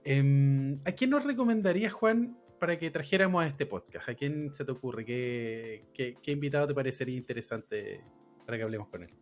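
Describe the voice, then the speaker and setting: A man hosting an interview podcast, reacting with keen enthusiasm. He stresses his praise by repeating words. His voice sits at a middle pitch. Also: expressive, brisk, faint music behind. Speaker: podcast host. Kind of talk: casual interview.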